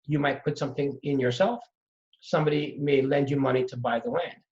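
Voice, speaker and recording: A middle-aged man from Trinidad and Tobago, a real estate investor telling his story in an emphatic, animated way during a conversation. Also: medium pitch, brisk. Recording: dull lo-fi audio.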